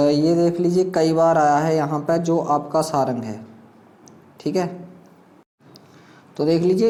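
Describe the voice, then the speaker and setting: Recorded with echoey room sound, an exam coaching teacher's medium-pitched, slightly mellow voice explains a practice quiz. Questions and options are read aloud, and learners are spoken to directly using recurring instructional phrases.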